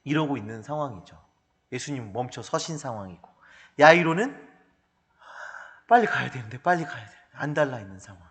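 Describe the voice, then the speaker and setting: A male pastor preaching a sermon in an animated, humorous storytelling manner, recorded in a church hall. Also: mid-range voice, a little fast, long pauses.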